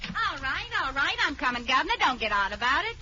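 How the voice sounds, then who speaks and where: A woman's voice: sits high, very animated, quick pace, bright, forceful tone, muffled recording, heavily acted. A woman in a 1940s radio comedy putting on a brash, grumbling Cockney housemaid. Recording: hissy old radio broadcast.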